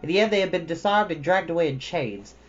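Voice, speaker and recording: A man's voice: on the high side, lively intonation, quick pace. A man narrating a storybook expressively as a storyteller. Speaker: storyteller reading a children's novel. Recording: dull lo-fi audio with music. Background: background music.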